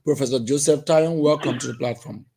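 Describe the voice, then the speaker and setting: Gravelly Liberian radio host. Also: male voice, medium pitch, fairly quick, mellow. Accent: Liberian English. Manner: announcing phone numbers and taking calls. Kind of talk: live radio hosting.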